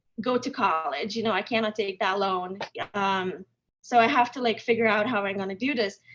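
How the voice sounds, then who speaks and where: Speaking at a fairly quick pace, a woman with a Lithuanian accent uses ordinary pitch variation. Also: medium pitch for a woman. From Lithuania, Vilnius. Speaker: artist. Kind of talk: interview.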